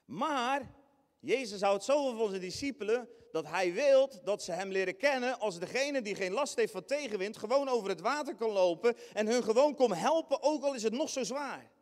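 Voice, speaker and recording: A man preaching a lively sermon, acting out scenes with sudden high shrieks and bursts of laughter. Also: moderate pace. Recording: long hall reverb in a church.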